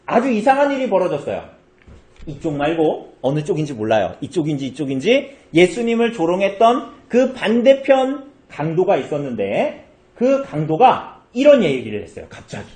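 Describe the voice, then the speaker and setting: Animated high-voiced preacher in an echoey church. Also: male voice. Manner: animated storytelling, questions to the congregation. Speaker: pastor. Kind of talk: sermon.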